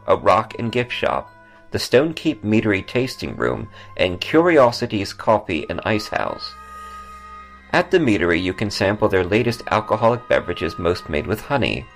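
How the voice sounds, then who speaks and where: A man hosting a podcast, reading scripted ghost stories and travel notes over music. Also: on the low side. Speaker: podcast host and author. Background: background music.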